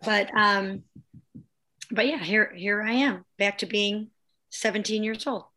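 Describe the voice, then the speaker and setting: Hoarse woman, casual panelist on a sports podcast, matter-of-fact. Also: medium pitch, a little slow, pushed and bright, low-quality recording. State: losing her voice, hoarse.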